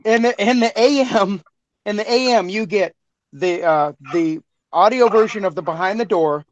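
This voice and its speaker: A man co-hosting a podcast in casual chat, excitable and repeating himself. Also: sits high, normal speed, lo-fi sound. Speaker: podcast co-host.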